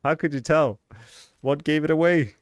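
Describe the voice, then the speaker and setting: A man's voice: fairly high pitch, fairly even intonation, normal speed, dry recording. A man from Sweden with a light Swedish accent, chatting casually on a live stream as he plays, rambling along with plenty of fillers. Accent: Swedish, lightly softened. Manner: rambling, filler-heavy, musing aloud. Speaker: game streamer. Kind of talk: casual live-stream chat over gameplay.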